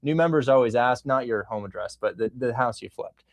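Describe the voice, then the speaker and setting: Host, man, energetic coach on a video call, close dry sound, mid pitch. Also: brisk, no room sound. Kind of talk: livestream interview.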